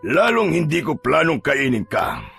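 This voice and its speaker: A man voicing a calmly menacing aswang monster in a horror audio drama, with a deep, husky, gravelly voice and slow, controlling delivery. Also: faint music behind, heavily acted. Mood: calm menace. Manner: slow, measured, coaxing yet firm. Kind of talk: Filipino radio-style horror drama acting.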